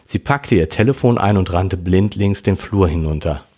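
Low, husky man reading a story. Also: normal speed. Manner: expressive, acts out all characters. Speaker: audiobook reader.

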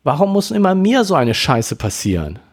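A man's voice: fairly high pitch, wildly swooping pitch, normal speed, husky, voice pushed up, full character voice. A man voicing an upset teenage girl who snaps and fights back tears, in a reading of a story. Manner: sharp, tearful outbursts.

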